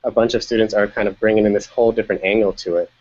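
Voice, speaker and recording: Man, education media producer, casual call chat; lowish voice, stop-start phrasing, muffled web audio. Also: fairly even intonation, a little mellow. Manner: halting, restarts phrases often. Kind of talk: casual video-call discussion. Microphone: video call. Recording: dull lo-fi video call audio.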